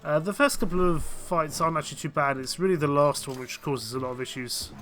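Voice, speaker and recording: Croaky bright-voiced man. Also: on the high side, fast talker, faint music behind. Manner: hesitant, full of ums and restarts. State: croaky with a cold. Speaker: game streamer. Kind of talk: casual gameplay commentary.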